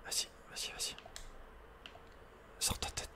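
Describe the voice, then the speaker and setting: A man giving casual, slangy ASMR commentary on a video game, muttering with the odd mild swear word. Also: measured pace. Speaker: ASMR gaming streamer.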